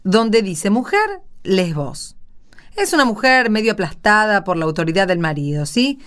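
A woman's voice: medium pitch, very animated, normal speed, fairly bright tone. A woman with an Argentine accent, hosting and narrating a scripted radio theatre piece. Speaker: radio play host and narrator.

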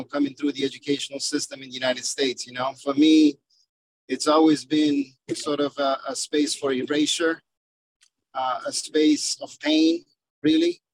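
A man from Cape Verde speaks as a panel guest over a choppy video call that keeps breaking up, calling in from his car. His voice sits a little high with a gravelly edge. He talks haltingly and fills his pauses with "you know.". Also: low-quality recording. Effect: choppy video call connection, breaking up. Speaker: educator guest. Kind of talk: panel discussion.

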